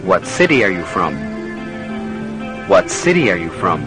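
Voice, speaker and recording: A low-voiced man reads English vocabulary one item at a time for a radio lesson, shaping every word with careful textbook diction. His delivery moves up and down freely rather than staying flat, and music plays clearly underneath him. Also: moderate pace. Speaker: English model speaker. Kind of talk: slow, clearly enunciated word-by-word reading. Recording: studio voice with music bed.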